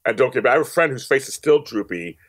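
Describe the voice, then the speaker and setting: With a fast, slightly bright, medium-pitched voice and lively intonation, an audio drama producer shares personal anecdotes as a podcast guest. The interview is casual, and he speaks emphatically, often repeating phrases.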